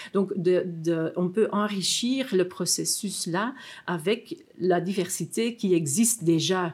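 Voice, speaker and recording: The woman's medium pitch shows ordinary variation as she talks at a very slow pace. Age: 40s. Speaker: recruitment consultant and lecturer. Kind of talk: interview. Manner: halting, with repeated words.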